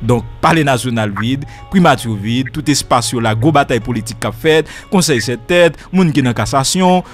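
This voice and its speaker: A man's voice: medium pitch, moderate pace, faint music behind. A man hosting a radio interview, setting up long questions with rising emphasis. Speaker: radio host.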